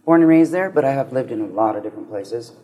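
A woman's voice: extremely low pitch, expressive, fast talker, dull audio. A woman from Pueblo, Colorado, speaking in a plain, matter-of-fact way. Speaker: guest.

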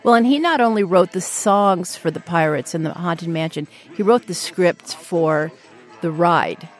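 A woman's voice: lowish voice, unhurried, faint music behind. An older woman with an American accent, speaking earnestly and reflectively as a radio interview guest.

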